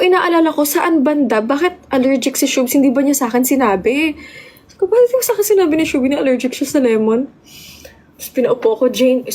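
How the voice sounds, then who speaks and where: A young woman telling a story on a casual live stream, chatty and excitable. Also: high-pitched. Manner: chatty, excitable, mixes Tagalog and English.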